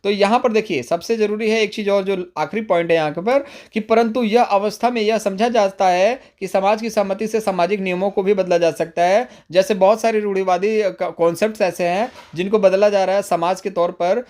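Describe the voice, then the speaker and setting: A man's voice: sits high, steady tone, fairly quick, hardly any pauses, a little mellow. A man teaching an exam-prep lesson, explaining step by step and speaking directly to viewers, often restating points. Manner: repeats and rephrases, addresses viewers directly. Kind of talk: explanatory lecture.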